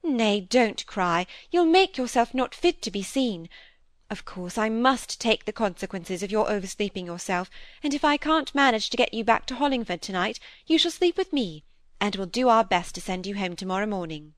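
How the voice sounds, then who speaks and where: A woman's voice: mid-range voice, lively intonation, moderate pace, no room sound, lightly acted. A woman voicing a breezy, chattering society widow. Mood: chatty. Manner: chattering, lightly condescending. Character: breezy, self-absorbed genteel widow. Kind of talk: audiobook character voice.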